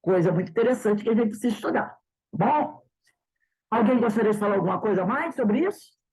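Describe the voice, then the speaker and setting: Husky Brazilian woman teaching a class. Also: medium pitch, fairly quick, low-quality recording. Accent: Brazilian Portuguese. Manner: animated, retells dialogues with repetition. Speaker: spiritist study group teacher. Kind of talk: casual class talk with storytelling.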